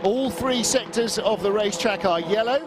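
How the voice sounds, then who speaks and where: Guy doing motorsport commentary live, high voice, emphatic play-by-play, cars noisy behind him. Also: normal speed. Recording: loud car and engine noise behind.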